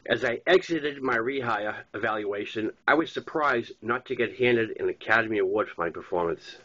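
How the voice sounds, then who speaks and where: A man's voice: fairly low pitch, normal speed, bright, forceful tone. Congested Boston-accented man reading aloud. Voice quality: congested, stuffy nose. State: congested from a head cold. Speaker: author reading his own novel. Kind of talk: narrated memoir-style audiobook reading. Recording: dull lo-fi recording.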